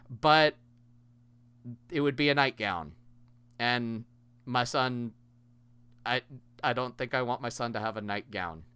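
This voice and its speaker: A man's voice: medium pitch, fairly bright tone, clear, resonant tone, no room sound. A man hosting a livestream, talking casually and earnestly as he thanks viewers. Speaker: livestream host.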